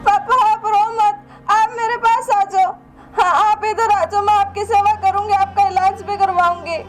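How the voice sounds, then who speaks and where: A woman's voice: extremely high pitch, steady tone, measured pace, soft background music, rough recording. A woman playing a daughter-in-law in a family skit, in a tearful, pleading way. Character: remorseful young daughter-in-law. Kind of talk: low-budget comedy skit acting.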